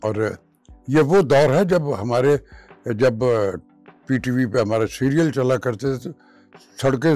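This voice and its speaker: Ordinary pitch variation over background music. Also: man. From Pakistan. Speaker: actor. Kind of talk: interview answer.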